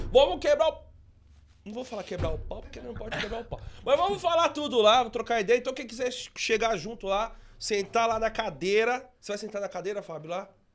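Here a man talks at a fairly quick pace with an extremely high pitch. His intonation is lively, and his loudness swings widely. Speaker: podcast host, rideshare driver. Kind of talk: casual chat.

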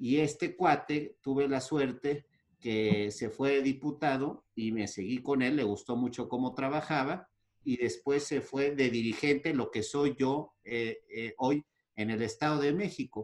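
A normal speaking voice talks at a fairly slow pace with ordinary pitch variation. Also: man, fairly high pitch for a man. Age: 30s. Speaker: politician. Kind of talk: interview. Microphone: connection cutting out.

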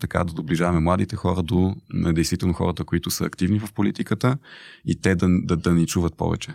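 The recording is very clean, with a silent background. The voice moves at a fairly quick pace with fairly even intonation. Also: man. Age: 20s. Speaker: student and youth organization founder. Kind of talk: casual interview.

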